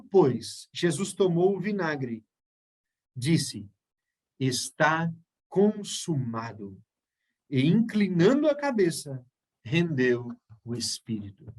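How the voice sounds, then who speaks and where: A man's voice: on the high side, breathy edge. A man with a Brazilian Portuguese accent teaching a Bible study, explaining step by step and often checking in with his listeners.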